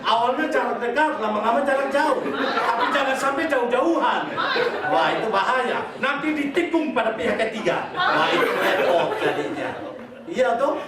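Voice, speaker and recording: A man's voice: very high-pitched, lively intonation, moderate pace, over a noisy crowd. A man preaching a sermon as pastor, joking and putting questions to the congregation. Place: church hall. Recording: echoey hall, mic at a distance.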